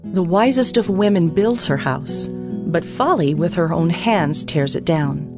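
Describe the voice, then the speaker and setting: A woman with a fairly low voice reads scripture as a narrator. Her delivery is measured and declarative, in the style of a dramatized audio Bible. Instrumental music plays clearly behind her. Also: animated. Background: instrumental music with guitar.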